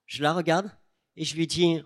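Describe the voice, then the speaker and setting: A young man from the south of France with a southern French accent, preaching a sermon and telling stories with lively quoted voices. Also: a little high, normal speed, no echo, studio quality. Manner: animated storytelling, quoting people in changed voices.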